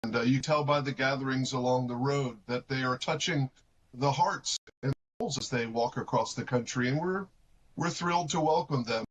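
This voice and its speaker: A man representing a church, speaking in a measured, explanatory way in a live news interview. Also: medium pitch, husky, rough recording. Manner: measured and explanatory, with occasional fillers. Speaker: cathedral representative.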